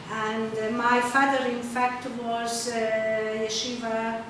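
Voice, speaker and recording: Older woman, hungarian first language, slow halting talk, pretty high voice, far off in a big echoey hall. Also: steady tone, noisy background. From Czechoslovakia. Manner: halting, searching for words, many fillers. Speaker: artist presenting her work. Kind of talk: slideshow talk at an exhibition opening.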